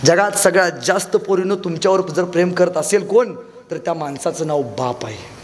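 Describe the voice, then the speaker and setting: A man's voice: high-pitched, normal speed. A young man with a Marathi accent giving an emphatic motivational speech with stories, often repeating key lines. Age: young adult. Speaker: motivational speaker. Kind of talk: public motivational speech with storytelling. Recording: long reverb of a large hall.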